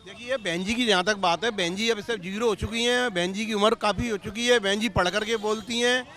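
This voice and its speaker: Man politician, very high pitched and bright, blunt mocking rebuttals, hushes hecklers, faint crowd. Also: brisk. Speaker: ruling party politician. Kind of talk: debate rebuttal.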